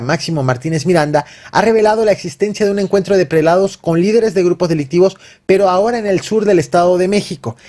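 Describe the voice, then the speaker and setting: Fast-talking male news narrator. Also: high-pitched, a little mellow.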